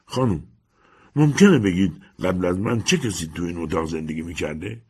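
A man's voice: low-pitched, expressive, breathy edge. A man doing an anxious young lodger. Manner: restrained, eager questioning. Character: anxious young man searching for his lost love.

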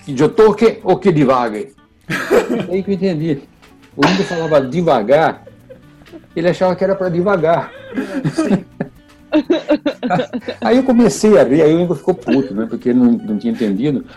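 An older Brazilian man, an oboist, telling lively anecdotes in an interview, acting out quoted dialogue and laughing often. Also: on the high side, normal speed, pauses often, faint music behind. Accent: Brazilian Portuguese.

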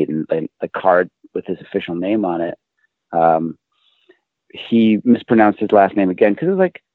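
Casting: American male comedian guest, lowish pitch, rambling and profane storyteller, dry phone-like sound. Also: dry recording. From Maryland, USA. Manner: rambling, profane, self-deprecating. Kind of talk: casual anecdotal chat. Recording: narrow tinny phone-like line, dry.

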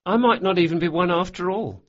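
Man putting on a high, loud young boy, eager and apologetic, quick and stumbling; storybook reading, slightly dull recording. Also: natural voice. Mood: earnest. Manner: quick, earnest, stumbling speech.

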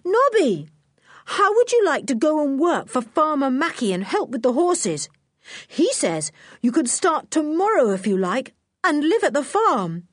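A woman's voice: sits high, sing-song, normal speed, no room sound, clean studio sound, voice pushed up. A woman doing a polite, earnest schoolboy. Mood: eager. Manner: polite, earnest, proper English phrasing. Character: sensible well-spoken schoolboy, leader of the children.

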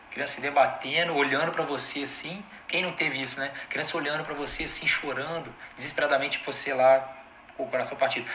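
A Brazilian man, an anesthesiologist, gives a casual live-stream lecture in an informal, animated way, full of slang and quick asides to his audience. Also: fairly high pitch, echoey room, slight background noise, low-quality recording.

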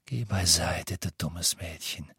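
A man voicing a cruel male dark wizard in a quiet, menacing hiss that sinks into a whisper. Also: low-pitched, slow pace, creaky, breathy edge, dry recording, clean studio sound, voice pushed down, heavily acted.

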